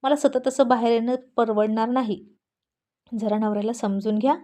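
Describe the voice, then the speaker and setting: A woman's voice: a little high, fairly even intonation, normal speed, mellow, natural voice. A woman voicing a teasing young police husband. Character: young adult man, police officer husband, affectionate and teasing.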